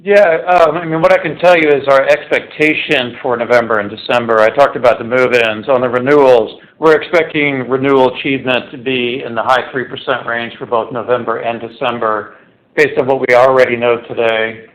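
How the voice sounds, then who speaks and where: A man's voice: mid-range voice, steady tone, brisk, a bit bright, low-quality recording. A male finance-side executive with a medium voice, fielding forecast questions on an investor call without giving much away. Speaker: company executive answering analysts. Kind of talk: unscripted corporate earnings-call answers.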